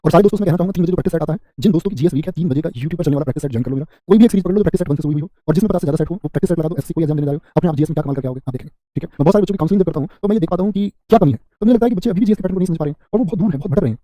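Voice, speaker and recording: A man's voice: a little high, mellow, no echo. A man teaching an exam class live online, chatty, rattling off memory tricks and asking the class questions. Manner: fast, chatty, keeps asking "what will you say?". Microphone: close mic, sped-up video.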